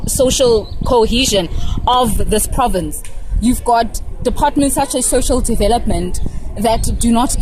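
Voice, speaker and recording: A young woman student from Pretoria argues her point earnestly, repeating words as she builds momentum. Her voice sits slightly high. Loud outdoor ambience surrounds her. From Pretoria, South Africa. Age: young adult. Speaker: university student. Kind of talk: impassioned vox pop answer. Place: outdoors on a campus. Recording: noisy outdoor recording.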